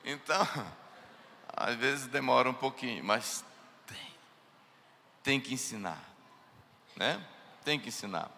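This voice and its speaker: A man preaching a sermon as pastor, animated, mimicking family members in quoted voices and putting questions to the congregation. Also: mid-range voice, slow pace, creaky, long pauses, slight background noise. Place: church hall. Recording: long echoing church hall.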